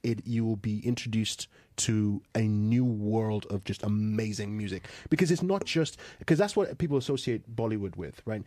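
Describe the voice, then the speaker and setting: A man's voice: on the low side, normal speed, hardly any pauses, warm tone, no room sound. A man hosting a studio interview, eager and admiring as he searches for his words. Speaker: host. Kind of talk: conversational interview. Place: radio studio.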